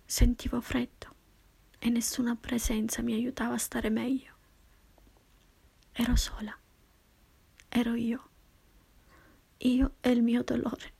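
A woman reading a first-person story in a slow, hushed, intimate whisper. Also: a little high, level tone, creaky, breathy edge. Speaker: narrator.

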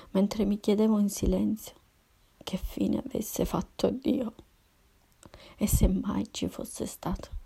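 Woman narrator, whispered first-person narration, airy and husky with a gravelly rasp. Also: mid-range voice. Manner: hushed, breathy whisper.

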